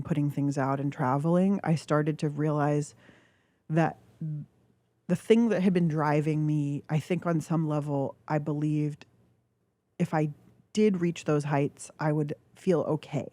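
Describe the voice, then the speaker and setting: This guest author from California speaks in a candid radio interview, reflective and halting, with filler words. She has a low, mellow voice, captured by a studio microphone in a dry recording.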